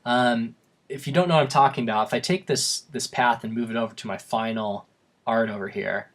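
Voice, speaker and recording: A young man narrating a software tutorial in a casual, rambling way with self-deprecating asides, his voice wearing thin and going hoarse. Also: medium pitch, steady tone, fairly quick. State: voice going hoarse from repeated takes. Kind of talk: screen-recorded tutorial narration.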